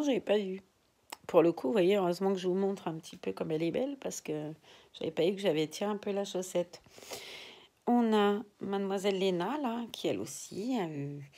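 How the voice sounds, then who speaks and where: Older woman, gravelly, chatty vlogger, rambling, half-whispered asides, home bedroom. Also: mid-range voice, darkish tone. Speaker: reborn doll collector vlogger. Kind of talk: casual chat to viewers.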